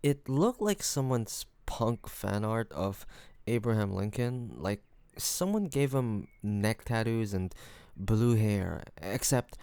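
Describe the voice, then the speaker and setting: A man playing a charming, hospitable mafia boss in an intimate audio roleplay, talking in a relaxed, playful, teasing way to one listener. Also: fairly low pitch, slow, smooth, dry recording. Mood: amused, reminiscing. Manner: relaxed, playful storytelling with frequent soft chuckles.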